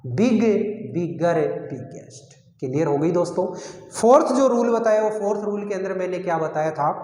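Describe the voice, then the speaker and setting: Male grammar teacher, high voice, quizzes then answers himself, long reverb, roomy classroom sound. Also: expressive, moderate pace, darkish tone. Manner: asks questions and answers them himself, repeats key words. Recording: echoey room with long reverb.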